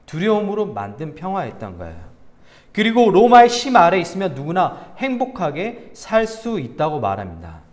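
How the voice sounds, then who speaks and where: A man's voice: high-pitched, moderate pace. A male pastor preaching a conversational sermon, asking the congregation questions and telling stories. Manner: animated, asks the congregation questions, tells anecdotes with laughter. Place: church sanctuary. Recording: reverberant church hall.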